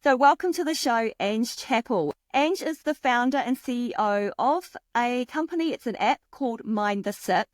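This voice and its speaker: A woman's voice: a little high, expressive, moderate pace, hardly any pauses, no echo. A middle-aged woman, hosting a podcast interview in a chatty, encouraging way. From New Zealand. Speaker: podcast host.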